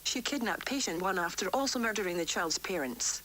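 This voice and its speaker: A woman playing a worried, defiant doctor dictating formal, measured research logs for an analog horror tape series, recorded on vintage cassette. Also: medium pitch, lively intonation, sharp tone, low-quality recording. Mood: grave, concerned. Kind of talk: analog horror tape log, scripted report.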